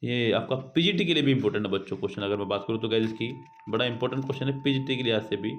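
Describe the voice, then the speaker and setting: A male teacher with a mid-pitched voice works through exam questions for his students. He reads each question aloud slowly, then explains the answer in a conversational tone and keeps calling out to the class. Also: slight background noise. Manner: keeps addressing students as "guys" and "children". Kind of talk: exam prep lesson, reading questions aloud.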